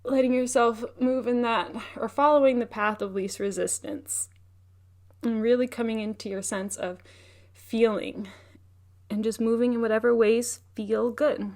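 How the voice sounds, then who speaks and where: A woman leading a guided meditation as a teacher, speaking in a gentle, unhurried, soothing way. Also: fairly high pitch, fairly even intonation.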